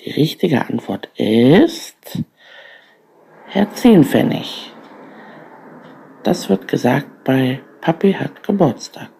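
A woman's voice: a bass voice, expressive, slow, vocal fry, pauses often, dark tone, breathy edge, rough recording. A woman in her forties from Germany giving a prepared voice message as a quiz listener. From Salzgitter, Germany. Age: 40s. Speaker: listener sending a quiz question.

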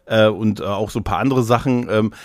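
A man's voice: lowish voice, fairly quick, darkish tone, dry recording. A man chatting casually as a podcast co-host, rambling and often interrupting himself.

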